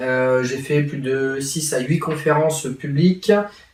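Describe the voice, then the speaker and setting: A man's fairly high-pitched voice with fairly even intonation, noticeable background noise and audible room echo. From France, Bordeaux. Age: 30s. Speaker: online banking referral promoter. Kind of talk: interview. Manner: hesitant, many fillers.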